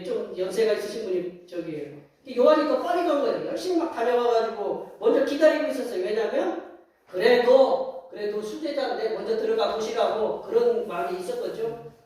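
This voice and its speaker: Folksy pastor in a very echoey church. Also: male voice, very high voice, darkish tone. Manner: folksy, acts out the story in voices, asks the congregation questions. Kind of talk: casual sermon storytelling. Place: church sanctuary. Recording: very echoey hall, distant mic.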